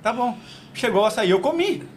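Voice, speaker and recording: A man's voice: extremely high pitch, animated, fairly quick, a little hiss or hum. A man guest on a podcast, telling stories in a laid-back, joking way with casual slang.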